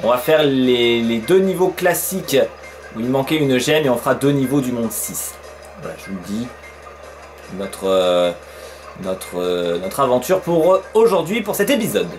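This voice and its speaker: Lively chatty gamer guy. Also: medium pitch, moderate pace. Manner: chatty, fills with "hein", swears when surprised. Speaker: let's play gamer. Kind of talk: casual gameplay commentary. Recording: faint game music behind.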